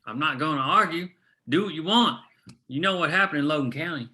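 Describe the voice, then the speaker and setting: A man's voice: a little high, brisk, bright, forceful tone. A man reading the part of a blunt, urgent union man in a drama, with a plain, folksy manner. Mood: urgent, wry. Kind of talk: screenplay table read.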